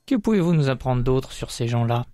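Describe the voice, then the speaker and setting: Polite, mid-pitched male role-player. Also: animated, brisk, warm tone, no echo, faint music behind. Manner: brief, polite, formal replies. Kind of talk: in-character role-play dialogue.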